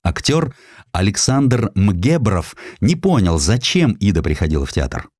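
A man reading a literary audiobook as dramatic scripted narration, deliberate and expressive, with pointed pauses. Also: on the low side, no echo, clean studio sound.

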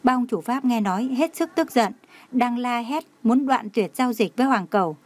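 Anxious young female assistant, woman narrator, high-pitched and urgent. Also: animated, moderate pace, darkish tone. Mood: urgent worry. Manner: urgent, worried.

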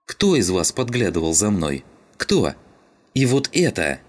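A man reading an audiobook, voicing a furious teenage girl who shouts and demands answers. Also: low voice, very animated, unhurried, pitched above the performer's own voice, full character voice. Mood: angry, demanding. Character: angry teenage girl, tense and shrill.

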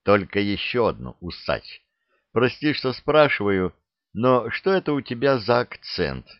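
A man reading the part of a space legion captain who asks careful, measured questions. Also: lowish voice, sing-song, dry recording, highs cut off. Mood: probing. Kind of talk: audiobook character reading.

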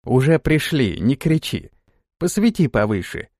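A man's voice: mid-range voice, sing-song, a little slow, darkish tone, no echo, studio quality. A man voicing a bossy but caring woman who leads the way, speaking firmly. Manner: commanding, reproachful.

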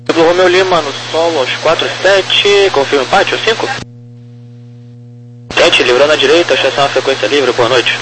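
Crackly aviation radio, man, tower controller, procedural clipped delivery, digit-by-digit numbers, clear static. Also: a little high, normal speed, sharp tone. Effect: crackly radio transmission. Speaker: air traffic tower controller.

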